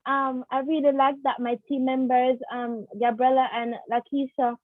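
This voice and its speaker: A high-voiced woman gives grateful, hesitant feedback. Her audio is thin and phone-like, with a dry sound and no room. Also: flat delivery, moderate pace, no echo. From Jamaica. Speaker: hackathon participant. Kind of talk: casual spoken feedback. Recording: tinny phone-like call audio.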